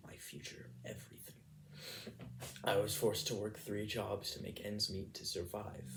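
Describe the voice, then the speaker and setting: A man playing a wounded, bitter gay son in a dramatic confessional monologue, speaking in hushed, breathy, halting phrases. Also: lowish voice, poor audio. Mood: bitter, desperate. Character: wounded young gay son, solemn and bitter, recalling rejection. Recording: quiet voice with noticeable noise, clicks.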